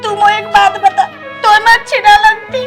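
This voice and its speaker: A woman's voice: extremely high pitch, flat delivery, normal speed, over music. A woman playing a meek, uneducated young village bride who pleads tearfully. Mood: hurt. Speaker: daughter-in-law. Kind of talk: rural Hindi film drama.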